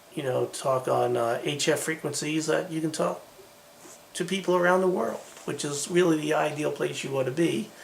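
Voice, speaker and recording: Audible room echo follows a man talking at a moderate speed. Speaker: preparedness gear video blogger. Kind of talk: casual video monologue. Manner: mumbling; halting, many fillers.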